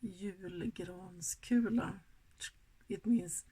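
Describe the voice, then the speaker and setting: A woman from Sweden with a Swedish accent, chatting softly and giggling through a makeup tutorial, sometimes dropping to a whisper. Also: medium pitch, fairly even intonation, very slow, breathy edge. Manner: soft-spoken, giggly, often drops to a whisper. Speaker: makeup vlogger. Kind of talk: casual makeup tutorial chat.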